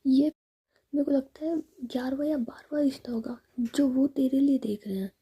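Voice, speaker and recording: A woman's voice: high voice, moderate pace, warm tone, husky, voice pushed up, exaggerated voice. Woman whispering as a lovesick young woman.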